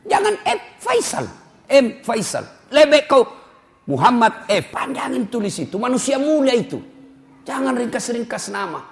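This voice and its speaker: Animated high-voiced male preacher. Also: normal speed, creaky. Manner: animated, joking, addresses listeners directly. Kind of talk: humorous sermon to a congregation.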